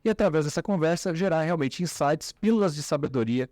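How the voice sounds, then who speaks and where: A man hosts the conversation and steers it with lively, leading questions. His voice sits a little higher than most men's and sounds dry and close to the mic. He keeps the talk moving along. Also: brisk, no echo. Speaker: podcast host. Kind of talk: interview questions.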